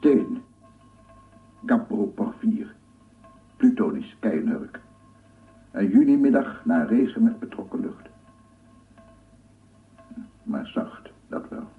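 An actor playing a dreamy, secretive, gentle man in a radio drama, musing in hesitant fragments. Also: on the low side, very animated, takes it slowly, long pauses, soft background music. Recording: distant, phone-like archive radio recording.

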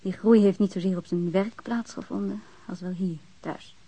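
A young woman acting in a crime audio drama as a bereaved woman, frank, guarded and self-possessed, speaking in measured phrases. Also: mid-range voice, fairly even intonation, mellow, husky, lightly acted, rough recording. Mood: reflective, frank. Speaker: actress in a radio drama.

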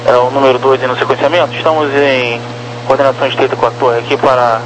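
A man's voice: medium pitch, flat delivery, fast talker. Noisy radio, Brazilian male air traffic controller. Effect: aviation radio. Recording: noisy humming aviation radio channel.

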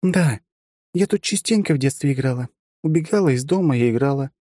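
A fiery, jealous young woman, played by a male narrator in a storybook reading. The voice is pitched very high above his own and quick to flare. It is recorded close and dry. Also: lively intonation, dark tone, dry recording, lightly acted. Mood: tender. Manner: indignant, hot-tempered.

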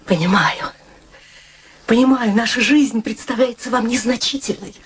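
Actress as proud, wry daughter, lightly high voice. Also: female voice, normal speed, background noise, lightly acted. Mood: wistful, earnest. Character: proud, wry unmarried daughter devoted to her elderly mother. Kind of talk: radio play acting.

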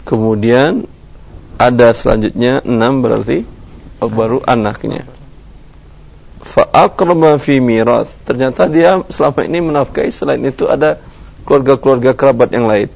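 A man teaching Islamic law on a radio program, explaining rulings step by step in a measured way. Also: mid-range voice, vocal fry, a little mellow. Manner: measured explaining, reads Arabic terms. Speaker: Islamic scholar teaching fiqh. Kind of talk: religious lecture on radio.

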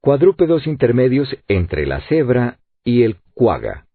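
A man's voice: medium pitch, big pitch swings, a little slow, no echo. A man reading the lines of a young, knowledgeable colonist who explains things, with narrow phone-like sound. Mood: explaining. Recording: narrow phone-like audiobook audio.

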